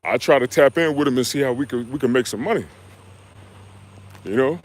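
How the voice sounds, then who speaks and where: In a medium-pitched voice and brisk pace, a young US fitness coach handles a live stream Q&A. He goes through chat comments and replies to viewers casually and slangily, speaking right to them with "y'all" and "man."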